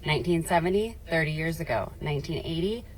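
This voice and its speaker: A woman delivering a comedic list of jokes in a wry, deadpan way. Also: low voice, fast talker, poor audio.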